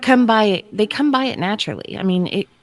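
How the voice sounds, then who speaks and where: A woman's voice: mid-range voice, animated, a little fast. A woman co-hosting a podcast, explaining her view in a casual, matter-of-fact way. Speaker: podcast co-host.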